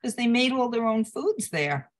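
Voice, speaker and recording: An older woman talking over a video call in a room at home, her voice at an ordinary middle pitch. She reminisces slowly, pausing on fillers and restarting phrases as she thinks back. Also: sing-song. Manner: reminiscing, unhurried, halting with fillers. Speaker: photographer and guest.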